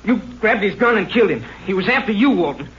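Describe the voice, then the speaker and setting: Conniving radio-drama constable, high-pitched and sharp, bullying, on a noisy old recording. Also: male voice, animated, fast, dull audio. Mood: scheming, domineering. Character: crooked, scheming small-town constable, defiant and bullying. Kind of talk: 1950s radio drama acting.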